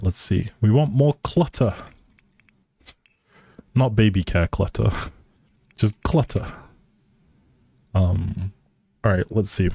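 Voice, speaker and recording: Gravelly, warm, and slightly rough, a low male voice comes through with no room sound. The speaker is a live streamer casually chatting during a building game, musing over minor choices and replying to viewers.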